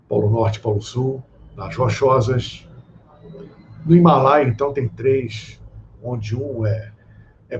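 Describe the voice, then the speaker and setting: A man with a Brazilian Portuguese accent, speaking as a guest on a live stream and lecturing, often checking in with a quick "tá?". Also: medium pitch, darkish tone, highs cut off, slight background noise. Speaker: guest speaker on esoteric topics.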